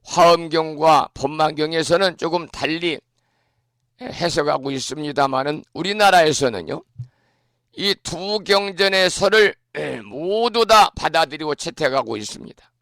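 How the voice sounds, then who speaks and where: A man, a Buddhist monk, giving a morning talk on scripture in a hoarse voice from a lingering cold, speaking slowly and clearing his throat often. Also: on the high side, a bit bright, no echo, studio quality. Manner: slow, measured teaching delivery. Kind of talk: dharma talk explaining scripture.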